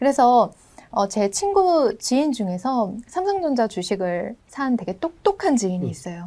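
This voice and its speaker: Her fairly high pitch swinging very widely, a woman speaks at a fairly slow pace in a dark, mellow tone. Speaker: author and investor. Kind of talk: interview.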